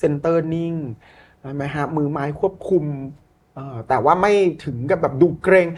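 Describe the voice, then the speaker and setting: A man speaking as a guest communication coach, explaining in a lively, demonstrative way and adding polite particles at the ends of his sentences. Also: a little high, moderate pace. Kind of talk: conversational coaching talk.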